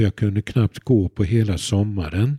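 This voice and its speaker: A man with a somewhat breathy, dark, mellow tone speaks at a fairly slow pace with fairly even intonation. The sound is dry and close with no echo, in a very clean recording with a silent background. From Sweden, Bohuslän; lived in Skåne 50 years. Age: 70s. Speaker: hemophilia patient. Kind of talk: personal conversation, life story. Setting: office.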